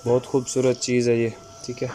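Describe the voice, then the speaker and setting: A man with an unwell, sore-throated voice gives a casual online sales pitch item by item, repeating his catchphrases to viewers. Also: completely flat delivery, brisk, mellow. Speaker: shop presenter selling women's suits. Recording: clear background noise, room ambience.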